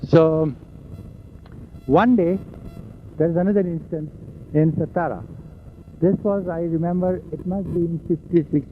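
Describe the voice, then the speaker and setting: An older man, slowly recalling old memories in an oral history interview, with a loud voice. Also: on the high side, fairly even intonation. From India. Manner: slow, halting storytelling of memories. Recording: dull lo-fi recording with faint hiss and vehicle sounds.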